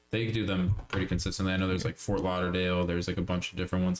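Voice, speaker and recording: Here a man talks with an American accent and fairly even intonation. His pitch is very deep and low. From Northeast Pennsylvania, Scranton. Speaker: MMA fighter and coach. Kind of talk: casual chat.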